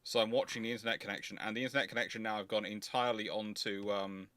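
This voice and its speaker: Guy hosting a livestream q&a, sharp bright voice, really dry close mic, rambles and stresses his points. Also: on the low side, steady tone, quick pace, no room sound. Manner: rambling, emphatic explaining with repeated phrases. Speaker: host of a naval history question livestream. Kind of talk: casual expert chat, answering questions.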